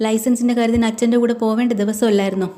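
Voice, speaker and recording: A woman's voice: a little high, fairly even intonation, rapid-fire, mellow, natural voice. A woman voicing an anxious middle-aged mother who keeps questioning her son. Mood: worried. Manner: prying, worried questions.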